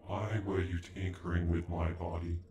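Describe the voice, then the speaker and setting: A man's voice: low-pitched, flat delivery, normal speed, warm tone, muffled recording. A man voicing a proud, cold male android in an ASMR roleplay, with stilted, formal speech that can stutter like a glitch. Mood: stern, demanding. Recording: echoey, with background music.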